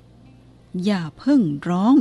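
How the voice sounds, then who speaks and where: A woman voicing a calm, blunt elderly abbot who speaks plainly and firmly. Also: soft background music, natural voice. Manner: plain-spoken, firm, unhurried.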